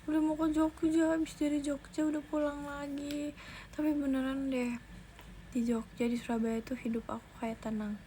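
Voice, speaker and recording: A woman's voice: high voice, level tone, normal speed, dark tone, a little hiss or hum. A young woman, chatting casually to viewers on a phone livestream and thanking them by name. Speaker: idol livestreamer.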